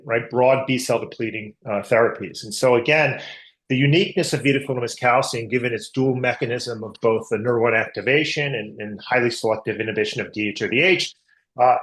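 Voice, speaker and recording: A man speaking as a company executive on an earnings call, explaining medical and market matters in measured corporate language. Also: medium pitch, low-quality recording. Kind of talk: earnings call answers, business presentation.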